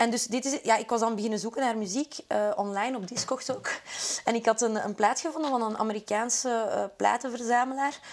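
Speaking very fast, a woman with a fairly high pitch keeps her intonation fairly even. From Belgium, Brussels. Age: 20s. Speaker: DJ. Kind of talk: casual interview.

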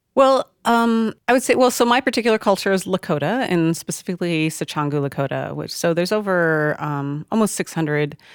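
Lively intonation runs through this woman's speech in an American accent. The sound is dry and close with no echo, on a very clean recording with a silent background. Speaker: playwright. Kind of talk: panel interview.

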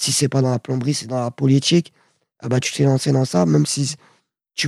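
A man speaks at a medium pitch with ordinary pitch variation. The sound is dry and close with no echo, over a quiet background. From Paris banlieue (20e, then Val-d'Oise). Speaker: street reporter and influencer. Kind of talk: casual interview chat.

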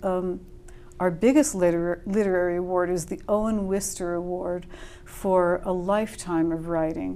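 In an American accent, a woman speaks at a moderate pace and medium pitch, her tone dark and mellow and her intonation fairly even. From New Jersey. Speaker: author and writers' association president. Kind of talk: interview. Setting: convention venue.

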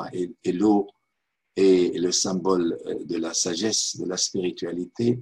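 Very deep and low in pitch, with a dark, mellow tone, a man speaks at a very slow pace with fairly even intonation and long, frequent pauses. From Syria. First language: Arabic (speaking French). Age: 70s. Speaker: author and lecturer. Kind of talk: lecture.

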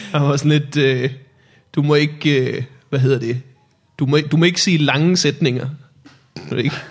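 Somewhat breathy and fairly high-pitched, a man speaks at a moderate pace with fairly even intonation, very even loudness, and long, frequent pauses. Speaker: comedian. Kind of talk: casual chat about comedy and daily life.

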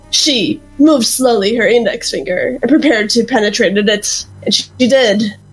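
A woman's high voice with ordinary pitch variation at a moderate pace, hardly any pauses, and music in the background.

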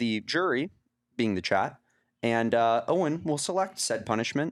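Heard in a very clean recording with a silent background, a plain, everyday voice moves at a moderate pace with lively intonation. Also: man. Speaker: podcast producer acting as mock judge. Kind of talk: comedic mock trial. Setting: studio.

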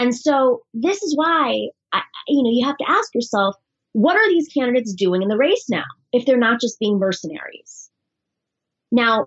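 In an American accent, a woman with a high pitch speaks at a moderate pace with lively intonation. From Buffalo, New York. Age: 30s. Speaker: political activist and show host. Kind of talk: podcast interview.

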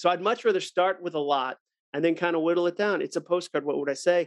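The sound is dry and close, with no echo. The voice carries an American accent. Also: man. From Massachusetts, North Shore. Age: 40s. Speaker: author and speaker. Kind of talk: casual interview.

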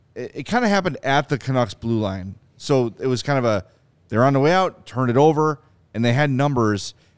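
Over a very clean recording with a silent background, a man uses a normal speaking voice. He talks fairly quickly with lively intonation. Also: medium pitch for a man. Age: 40s. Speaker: sports podcast host. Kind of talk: casual chat.

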